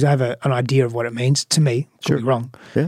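A man with an Australian accent at a fairly quick pace. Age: 40s. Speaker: relationship coach. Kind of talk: casual interview.

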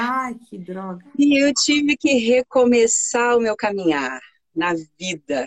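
Lively intonation marks this woman's voice, recorded with a dry, close sound and no echo. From Rio de Janeiro, Baixada Fluminense. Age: 40s. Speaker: voice-over student, former flight attendant. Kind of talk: interview. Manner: animated.

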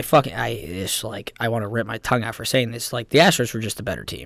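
Over a silent background in a very clean recording, a man with an American accent talks fairly quickly with vocal fry. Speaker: sports podcast co-host. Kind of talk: casual chat. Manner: animated.

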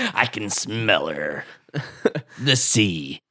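The speaker uses a raspy, low-pitched put-on character voice.

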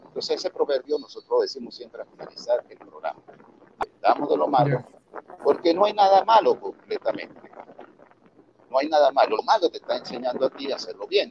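Over noticeable background noise, the voice moves at a fairly quick pace with big swings in loudness, its sound dry and close with no echo. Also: man. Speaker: radio announcer. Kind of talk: interview. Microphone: unstable connection.

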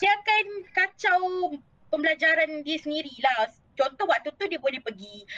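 In a dry, close recording with no echo, a woman raises and projects her high, bright, sharp voice, swinging very widely in pitch. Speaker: student podcast host. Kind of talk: casual chat.

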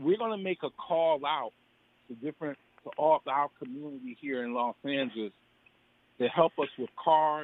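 There is an unremarkable speaking voice here, a man with an American accent. He talks at a fairly high pitch with ordinary pitch variation. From Connecticut. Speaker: pastor and civil rights organization leader. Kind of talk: radio interview.

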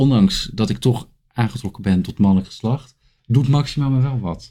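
A man's somewhat breathy voice at a moderate pace. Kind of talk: casual chat. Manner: casual, joking.

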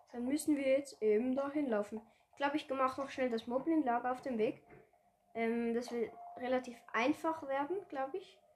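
A high-pitched woman at a moderate pace, ordinary pitch variation, noticeable background noise. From Switzerland. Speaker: gaming podcaster. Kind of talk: gameplay commentary. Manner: casual, hesitant.

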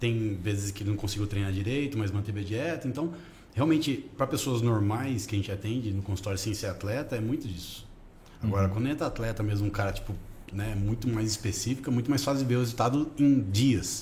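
At a very fast pace, a man speaks with a fairly low, dark, mellow voice that is somewhat breathy, with ordinary pitch variation. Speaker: nutritionist.

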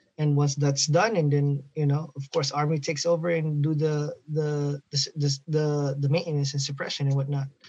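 The voice is somewhat breathy and speaks in a flat monotone. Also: man, fairly high pitch for a man, moderate pace. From Philippines. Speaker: navy sailor. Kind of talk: casual interview.

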